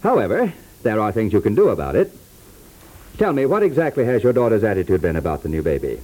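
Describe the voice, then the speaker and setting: A man playing a courteous, reassuring child psychologist in a 1950s radio comedy, brisk and professional. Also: lowish voice, big pitch swings, dark tone, rough recording. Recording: vintage 1950s network radio recording.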